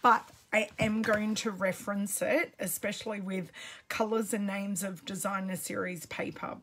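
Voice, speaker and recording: Australian woman, scratchy voice, slow and friendly, greets viewers by name on a casual home stream. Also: mid-range voice, a bit bright, husky. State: slightly scratchy, strained voice. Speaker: craft product demonstrator. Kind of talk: casual live-stream chat.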